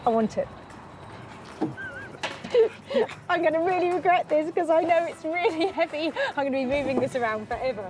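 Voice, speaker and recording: Bubbly high-voiced woman presenter. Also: quick pace, few pauses. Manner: bubbly and enthusiastic. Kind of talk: casual on-location chat. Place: outdoors at a recycling centre.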